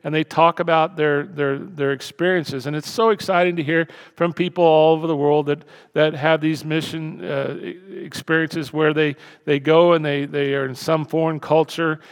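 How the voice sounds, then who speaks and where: A male pastor preaching a sermon to his church, animated and repetitive, swinging from loud emphasis to hushed tones. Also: fairly high pitch, normal speed, few pauses, clear, resonant tone. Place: church sanctuary. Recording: reverberant church hall.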